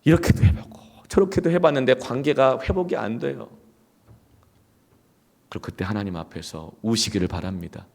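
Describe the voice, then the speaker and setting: A male pastor preaching a sermon through personal stories, emphatic and swinging from hushed asides to loud outbursts. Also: mid-range voice, moderate pace, gravelly.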